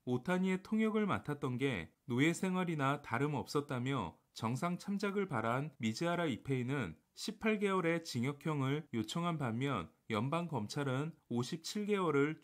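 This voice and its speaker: Animated male baseball news host. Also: a little high. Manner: formal, matter-of-fact delivery. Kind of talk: scripted baseball news narration.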